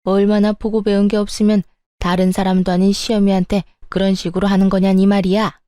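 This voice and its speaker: A woman's voice: mid-range voice, little pitch movement, a little fast, dark tone, smooth, no room sound, studio quality, lightly acted. A woman voicing a bossy, self-pitying older mother-in-law who scolds and wails theatrically. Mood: scornful. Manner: scolding, sneering, wailing theatrically. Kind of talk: storytelling narration.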